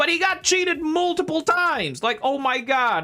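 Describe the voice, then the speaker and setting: Someone speaks at a moderate pace with a non-native accent. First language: not English. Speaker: gaming streamer. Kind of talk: live stream commentary. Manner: halting.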